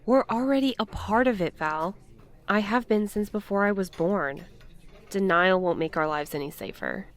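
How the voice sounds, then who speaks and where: A woman's voice: mid-range voice, normal speed, close to an everyday voice. A woman playing a stubborn, curious, defiant woman in naturalistic audio drama dialogue. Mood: defiant, hurt. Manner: expressive, argumentative.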